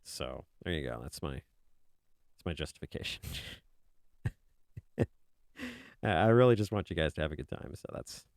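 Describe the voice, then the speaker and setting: Soft-spoken man with a deep voice. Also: expressive, unhurried, pauses often, no echo, studio quality. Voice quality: soothing voice. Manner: rambling, soft-spoken, many fillers. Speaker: artist streamer. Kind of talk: casual chat while drawing on a live stream.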